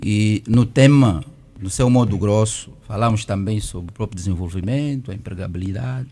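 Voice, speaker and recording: A man's voice: on the low side, normal speed, warm tone. A middle-aged man from Malanje with an Angolan Portuguese accent, a lawyer on a debate panel who argues persistently and keeps talking through interruptions. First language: Kimbundu.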